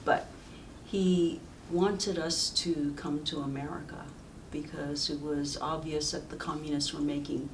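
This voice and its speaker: Elderly woman reminiscing haltingly, recorded from afar. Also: sits low, flat delivery. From rural southern China. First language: Sayep village dialect of Chinese. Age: 70s. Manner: halting, reflective reminiscing with frequent pauses. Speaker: oral history interviewee. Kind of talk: reminiscing life-story interview. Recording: distant mic with faint background noise.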